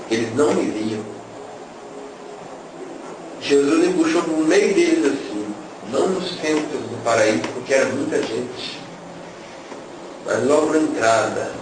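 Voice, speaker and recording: A man gives an emotional religious testimony, telling his story and acting out the dialogue. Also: a little high. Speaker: testimony speaker. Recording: echoey, distant, noisy room.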